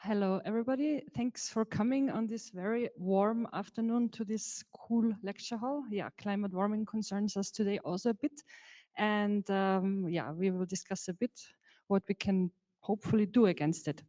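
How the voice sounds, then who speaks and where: A woman's voice: mid-range voice, normal speed, warm tone, lo-fi sound. Woman ecologist speaking in a lecture. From Austria, Tyrol. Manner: informal, self-correcting. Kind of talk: personal account in a lecture. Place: lecture hall.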